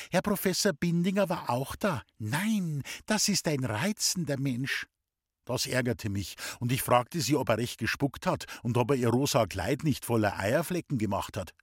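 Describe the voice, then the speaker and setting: A man reading a humorous story aloud in the first person, with a lively, cheeky telling. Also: mid-range voice, husky, dry recording, studio quality. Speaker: audiobook reader.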